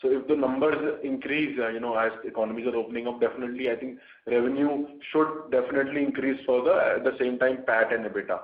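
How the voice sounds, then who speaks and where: Man, Indian accent, brisk pace, businesslike executive, tinny phone line, roomy echo. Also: medium pitch, steady tone. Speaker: company executive. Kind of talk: earnings call answers. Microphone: conference call phone. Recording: echoey narrowband phone line.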